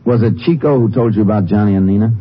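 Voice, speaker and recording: A man acting as a steady, methodical Texas Ranger in 1950s radio style, measured and matter-of-fact. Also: on the low side, close to an everyday voice. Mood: calm, probing. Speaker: lead actor and narrator of a radio crime drama. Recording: noisy, muffled 1950s radio recording.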